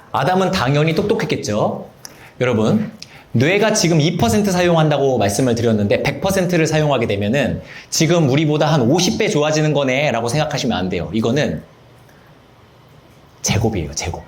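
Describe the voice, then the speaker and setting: A man giving a Bible study lecture at a church, lively and acting out quoted voices. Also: fairly high pitch, echoey room. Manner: animated, acts out quoted voices.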